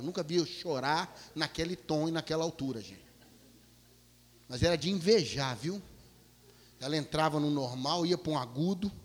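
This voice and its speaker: A male pastor telling a story in a sermon, animated, swinging from loud bursts to hushed low tones. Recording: long hall reverb.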